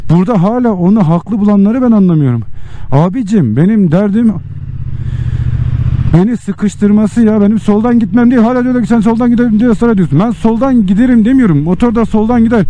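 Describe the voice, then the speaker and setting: A man's voice: high voice, a little fast, warm tone. A man motovlogger in a casual, combative, blunt rant, swearing as he talks inside a helmet while riding. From Turkey. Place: outdoors, riding a motorcycle in traffic. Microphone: microphone inside a helmet. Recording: helmet mic with road and engine noise.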